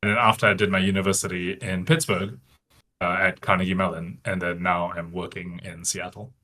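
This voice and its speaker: A Singaporean man in his late twenties, a card game player, chats loosely as a podcast guest over video call from a small home room. His voice is low, flat, a little fast, and pushed and bright.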